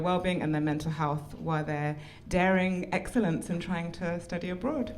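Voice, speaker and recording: With audible room echo and noticeable background noise, a woman talks at a fairly quick pace, her fairly low pitch moving in fairly even intonation. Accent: British. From UK. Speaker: psychological counselor. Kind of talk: live podcast panel discussion.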